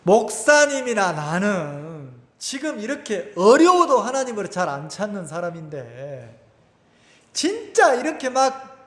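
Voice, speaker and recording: A man preaches in a high, animated voice that rises and falls sharply. He keeps asking his congregation rhetorical questions. The sound is echoey, with a long hall reverb from the church. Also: measured pace. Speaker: pastor. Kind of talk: sermon. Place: church sanctuary.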